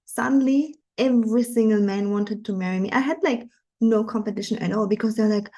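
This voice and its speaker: Mellow-voiced woman coaching with earnest energy. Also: medium pitch, a little fast. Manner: earnest, animated, frequent fillers. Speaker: dating coach. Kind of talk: live webinar talk.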